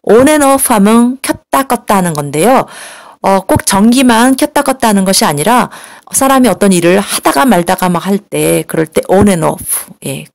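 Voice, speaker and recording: A woman teaching an English lesson, explaining politely and patiently, slowing down to model phrases for learners to repeat. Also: mid-range voice, expressive, vocal fry, no room sound, studio quality. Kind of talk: recorded language lesson.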